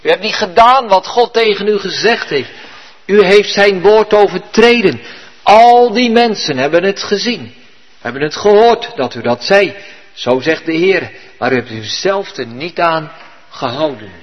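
A man's voice: sits high, animated, measured pace, pitched above the performer's own voice. A man voicing a stern old male prophet who pronounces judgment in a raised, declaiming voice. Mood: stern, accusing. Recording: dull recording with long hall reverb.

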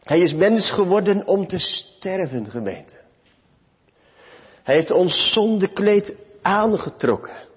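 A man's voice: high-pitched, very animated, slow pace, long pauses, breathy edge. A male pastor preaching a sermon to his congregation in short, emphatic phrases. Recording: long reverb, dull lo-fi sound.

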